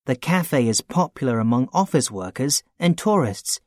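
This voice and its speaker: A man's voice: mid-range voice, moderate pace, no echo, studio quality, close to an everyday voice. A man playing a young job-hunting guy. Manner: plain, steady, matter-of-fact. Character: young man looking for part-time work. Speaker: student character in a listening test. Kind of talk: scripted exam dialogue.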